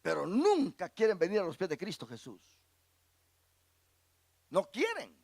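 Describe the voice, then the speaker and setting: A pastor preaching a sermon in a high, very animated voice that leaps up in loud bursts and drops into quiet low asides. He keeps calling the listeners brother and throws questions at them. The sound is close and dry, with no room around it. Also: a little slow, vocal fry, dry recording.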